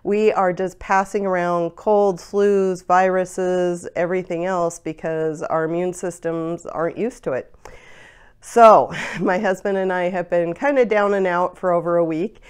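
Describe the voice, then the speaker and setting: A congested woman in her forties vents in a chatty home vlog, laughing now and then as she talks. Her voice sits a little low and stays smooth and clear despite the cold. She is recorded close on a lapel mic in a room at home. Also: steady tone, unhurried, a little mellow. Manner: chatty, venting with frequent laughs. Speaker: online parts store owner. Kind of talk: casual vlog rant. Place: home room lined with storage drawers.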